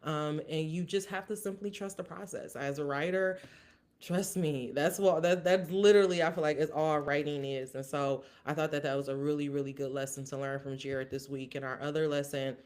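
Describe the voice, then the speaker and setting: A woman's voice: low voice, fairly even intonation, normal speed, darkish tone. A woman hosting a casual solo podcast recap, earnest and motivational, thinking aloud with many restarts. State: briefly emotional. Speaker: podcast host.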